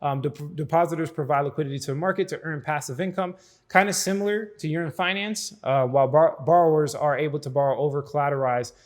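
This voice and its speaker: Higher-voiced man explaining things casually. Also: quick pace. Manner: informal, addresses viewers directly, checks in with "right?". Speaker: host of a crypto explainer video.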